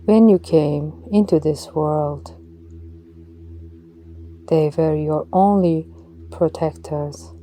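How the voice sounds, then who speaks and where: A woman leading a guided meditation in a slow, soft voice, some words dropping to a breathy whisper. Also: sits low, a little hiss or hum.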